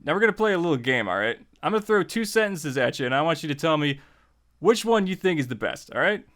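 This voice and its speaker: Speaking fast in a fairly high, somewhat bright and sing-song voice, an American man runs a casual writing tutorial, joking and conversing directly with the listener as the series host.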